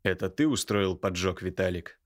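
A seething older brother in an audiobook, voiced by a male reader close to his own low voice. He growls slow, menacing threats with open contempt. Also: lightly acted. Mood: furious, menacing. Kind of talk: audiobook character voice.

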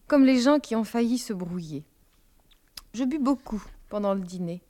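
Casting: female audiobook narrator, measured and expressive, literary first-person reading. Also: medium pitch. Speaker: audiobook reader.

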